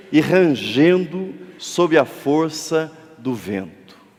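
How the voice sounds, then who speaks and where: Lively, fairly high-pitched male speech over noticeable background noise. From interior of Brazil (countryside, not São Paulo city). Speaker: pastor. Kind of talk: sermon. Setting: church.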